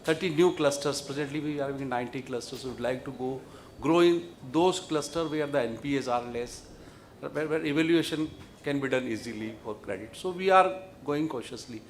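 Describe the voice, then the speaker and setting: A man with an Indian accent and a mid-range voice answers questions from press or analysts as a bank executive, speaking fairly quickly. He's emphatic and repeats words. Background noise and room ambience are clearly audible.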